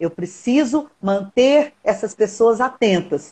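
At a very slow pace, the voice carries lively intonation and is somewhat breathy. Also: woman. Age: 60s. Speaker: singing teacher. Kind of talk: casual chat. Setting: video call.

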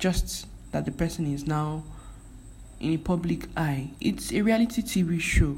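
Someone speaks at a fairly slow pace in a dark, mellow tone with vocal fry and lively intonation. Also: woman. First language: a Nigerian language. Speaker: podcaster. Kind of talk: casual monologue. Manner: animated.

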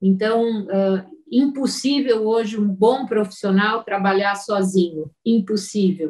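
A woman's medium-pitched, somewhat breathy voice at a very slow pace, with ordinary pitch variation and hardly any pauses. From Brazil, São Paulo. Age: 50s. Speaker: physician. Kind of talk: interview.

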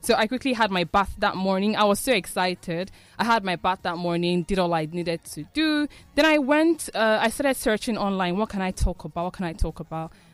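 A woman with a Nigerian accent, fairly quick, in a dry, close sound with no echo. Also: medium pitch for a woman, lively intonation. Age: 20s. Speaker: aspiring radio presenter. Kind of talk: casual chat. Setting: studio.

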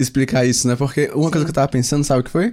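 A man's normal speaking voice, a normal speaking voice at a fairly high pitch with ordinary pitch variation. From Bahia interior, Brazil. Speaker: podcast host. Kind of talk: interview.

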